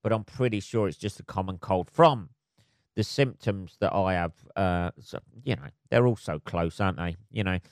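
A man's voice: low voice, moderate pace, no room sound, clean studio sound. Sweary nasal Englishman with a cold. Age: 40s. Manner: sweary, rambling, self-mocking. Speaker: podcast host. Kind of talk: casual solo rant. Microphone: phone camera.

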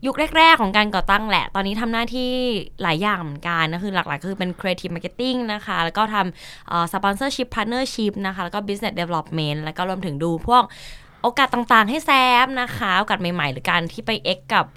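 Young woman guest, bright and crisp voice, frank lively storyteller. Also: medium pitch, moderate pace, few pauses. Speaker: guest, creative marketing at an events firm. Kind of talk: casual podcast conversation.

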